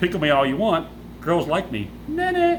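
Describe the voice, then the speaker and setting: With an American accent, a man talks while noticeable noise fills the background. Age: 40s. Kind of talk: casual talk to camera.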